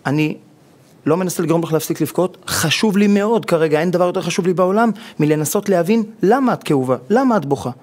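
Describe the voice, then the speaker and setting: A rabbi on a TV talk show explaining marriage advice and acting out quoted husbands and wives as he tells stories. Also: sits high. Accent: Israeli Hebrew. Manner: animated storytelling, acting out quoted spouses. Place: television studio.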